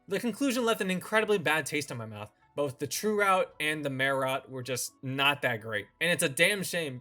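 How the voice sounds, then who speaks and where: A man's voice: on the high side, pushed and bright. A man hosting a review in semi-scripted commentary, opinionated and given to informal asides. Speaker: host of a visual novel review channel.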